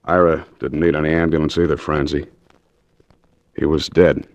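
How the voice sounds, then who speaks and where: Brooding liar, stammering, very deep voice, 1940s radio drama. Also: male voice, flat delivery, dull audio, noisy background. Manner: low, halting, stammering. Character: brooding man lying about a fatal crash.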